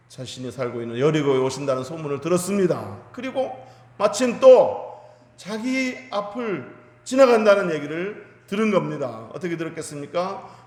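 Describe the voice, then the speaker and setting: A fairly high-voiced male pastor preaches a Sunday sermon, retelling a scripture story and building to emphatic cries. His voice rings through a church hall with long, roomy reverb. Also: darkish tone. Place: church sanctuary.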